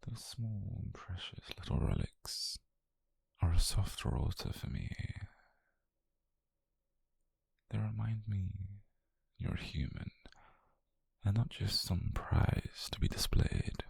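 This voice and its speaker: A British man playing an obsessive, possessive mafia boyfriend, calm and dangerous, in a slow, controlled, breathy half-whisper for an intimate ASMR roleplay. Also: deep voice, dry recording, exaggerated voice. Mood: obsessive, tender. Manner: slow, controlled, menacingly tender murmur. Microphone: close microphone, dry.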